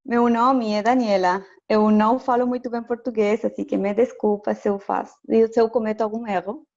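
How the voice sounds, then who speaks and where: A Chilean education lecturer, a native Spanish speaker with a Chilean accent, speaks Portuguese carefully and hesitantly as a guest on a casual video call interview, laughing often. Her fairly high, slightly mellow voice keeps fairly even intonation at normal speed, and the audio is dull.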